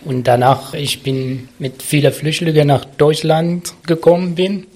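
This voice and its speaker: A man from Iraq, a guest speaking German as a with simple, halting phrasing. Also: on the high side, steady tone, darkish tone. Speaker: podcast guest. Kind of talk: casual conversation.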